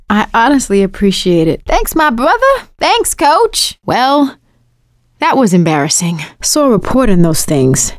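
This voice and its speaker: A woman playing a sassy, expressive young survivor of a zombie outbreak in a video game, in short wry barks. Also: sits high, dry recording, studio quality, heavily acted.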